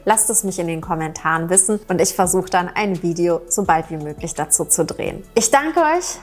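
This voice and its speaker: A woman from Romania, a German teacher hosting a Q&A vlog, speaking in an animated, friendly way straight to her viewers and a little quicker than usual. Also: lowish voice, faint music behind. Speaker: German teacher and channel host.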